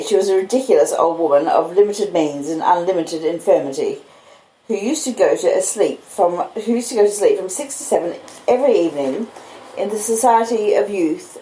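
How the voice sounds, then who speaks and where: This podcaster and audiobook narrator has an Australian accent and a warm, mid-range voice. She moves between relaxed live chat and literary storybook reading, taking her time in a snug, storytelling style. The home setup of laptop and phone microphones gives plain sound with noticeable room echo.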